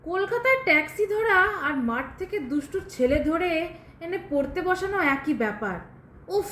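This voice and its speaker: A high-voiced, bitter, exasperated schoolteacher. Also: female voice, pushed and bright, exaggerated voice. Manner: exasperated, dramatic, confiding in the listener. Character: bitter, scarred, lonely Bengali woman schoolteacher, impatient and prickly. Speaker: actor in an audio drama. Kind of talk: theatrical Bengali audio drama monologue. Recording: roomy echo, faint noise behind.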